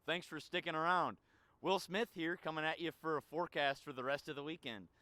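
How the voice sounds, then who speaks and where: A young man, a student forecaster, giving a casual weather report in a relaxed delivery full of fillers. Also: a little high, a little fast, dry recording. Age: young adult.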